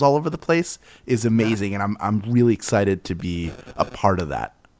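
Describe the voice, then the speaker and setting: A man with an American accent talks in a normal speaking voice. His pitch is fairly low, with ordinary variation. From Philadelphia, US. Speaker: actor and podcaster. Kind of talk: casual chat.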